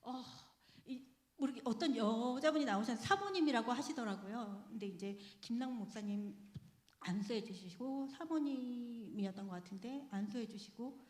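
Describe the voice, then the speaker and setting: A woman's voice: on the high side, normal speed, darkish tone. A woman giving a personal testimony in church, chatty and earnest, often laughing as she speaks. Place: church sanctuary. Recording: echoey church hall with long reverb.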